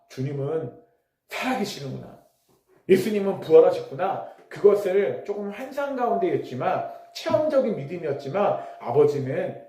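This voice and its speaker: A middle-aged male pastor preaching a sermon, who tells a personal story with animated delivery that swings from hushed asides to sudden shouts. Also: on the high side. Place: church sanctuary. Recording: echoey church hall.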